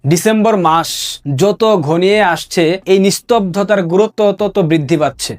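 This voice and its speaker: Fiery high-voiced male commentator. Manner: fiery, taunting, asks rhetorical questions. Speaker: political commentator. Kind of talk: partisan monologue.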